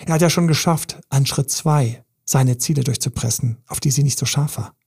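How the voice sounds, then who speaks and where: A man's voice: medium pitch, normal speed, creaky, a little mellow, slightly rough. A man, a relationship coach giving an emphatic, intense podcast monologue full of repetition.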